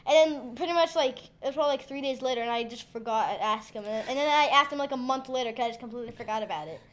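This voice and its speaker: A woman's voice: on the high side, very fast. A teenage girl telling rambling family stories on a casual podcast, often giggling.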